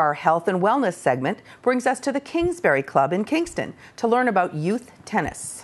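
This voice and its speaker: A woman's voice with very wide pitch swings and vocal fry. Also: moderate pace. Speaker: community TV news anchor. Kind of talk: news presenting. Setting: studio. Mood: friendly, upbeat. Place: studio. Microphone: lapel.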